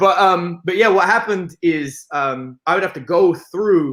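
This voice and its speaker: A man with a bright, sharp tone talks fairly slowly. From East London. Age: 40s. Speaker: dating coach. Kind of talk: podcast interview. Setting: live stream.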